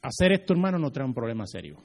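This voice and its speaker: A male pastor giving a lively sermon, acting out little scenes as he preaches. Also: medium pitch, racing, gravelly, big-room sound.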